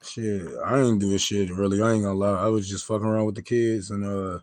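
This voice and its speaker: A man's voice: lowish voice, level tone, a little fast, darkish tone, no room sound. Laid-back man, livestream co-host, slangy casual talk, dry close sound.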